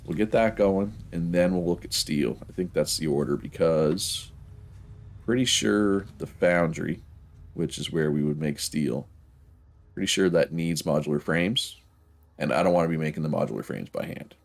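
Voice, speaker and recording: A man with a very deep voice and vocal fry streams a factory-building game, thinking aloud at normal speed. His commentary is casual, his nose stuffed up, and he chuckles often.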